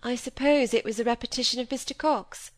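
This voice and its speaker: A woman voicing an earnest young woman who speaks gravely and plainly. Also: fairly high pitch, brisk, no echo, pitched above the performer's own voice, close to an everyday voice.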